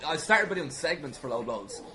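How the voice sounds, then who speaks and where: A man's voice: fairly high pitch, very animated, a little fast, bright, forceful tone, slight background noise. A man answering as a podcast guest in a casual, chatty, informal way, peppered with swearing. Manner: chatty, informal, sweary, frequent "like" and "you know". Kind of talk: casual conversational interview answers.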